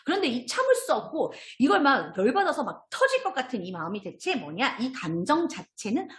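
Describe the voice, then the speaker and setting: A woman's voice: sits high, fairly quick, roomy sound. A woman giving an online training lecture to teachers over a video call, explaining a lesson and acting out the lines of children and teachers. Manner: animated, switches into acted child and teacher voices. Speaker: instructor training preschool teachers.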